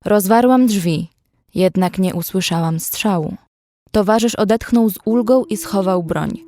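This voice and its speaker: An actress playing a young woman who survives an apocalypse, narrating in a measured, literary way as an anxious observer. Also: medium pitch, warm tone, no echo, clean studio sound, natural voice. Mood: measured, uneasy. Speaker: narrator and actress in audio drama. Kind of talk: scripted first-person horror story narration. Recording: music under the voice.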